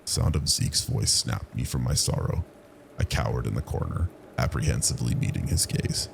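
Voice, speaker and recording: A man narrating a scripted first-person horror story in a low, haunting, gravelly voice. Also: animated, normal speed, a little hiss or hum. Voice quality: very deep, gravelly.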